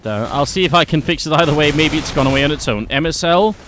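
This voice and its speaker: A man commentating a live esports match, brisk play-by-play that lifts in energy during the action, on a headset mic. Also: fairly high pitch, expressive, fairly bright tone, slight background noise.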